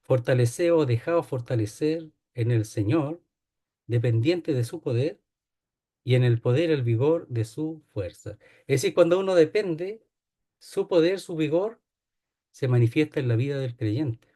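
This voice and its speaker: A man's voice: medium pitch, lively intonation, a little slow, mellow. A man teaching a Bible study, explaining a passage and often checking in with "¿ya?". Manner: explanatory, repeats key phrases, asks "¿ya?".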